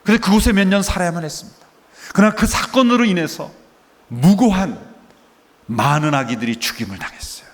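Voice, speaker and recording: The speaker is a middle-aged male pastor whose high-pitched voice moves briskly with lively intonation. Preaching emotively, he asks rhetorical questions and acts out the lines he quotes, in a space with long hall reverb.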